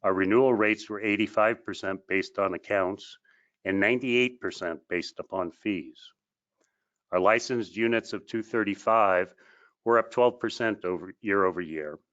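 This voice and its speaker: A man reading a scripted financial results presentation in a formal, measured way, as a company executive on a conference call. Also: lowish voice, a bit bright. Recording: dull, lo-fi conference call audio.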